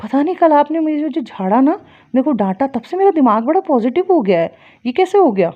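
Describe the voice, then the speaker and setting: A woman's voice: high voice, very animated, a little fast, muffled recording, voice pushed up. A woman voicing a troubled young woman client, told in a casual story. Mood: amazed.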